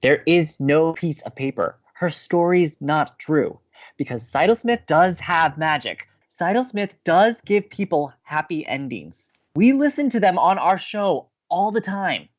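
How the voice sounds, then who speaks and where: An earnest, dramatic young male campus radio host, played by a man in a romantic comedy audio drama. His delivery is very animated and emphatic, easily indignant. The sound is a little muffled. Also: on the high side, measured pace. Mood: stubborn denial.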